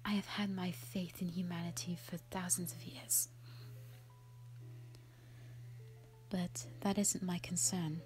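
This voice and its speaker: A woman voicing a gentle, ancient black dragon, a protective and sorrowful elder sister, in a hushed, breathy, halting dramatic monologue. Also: fairly low pitch, little pitch movement, soft background music, natural voice. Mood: solemn, weary. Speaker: audio roleplay performer. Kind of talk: soft whispered dramatic monologue, ASMR-like.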